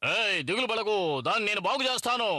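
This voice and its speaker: A man's voice: high voice, fast talker, pushed and bright, no room sound, studio quality. A man voicing a reassuring, handy cave-dwelling father in a Telugu cartoon dub.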